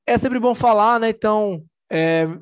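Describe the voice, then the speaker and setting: This is an unhurried, smooth, high male voice belonging to a young Bahian speaker from Salvador giving a laid-back, humorous technical talk at a conference. He uses plenty of fillers and restarts, and the recording has its high frequencies cut off.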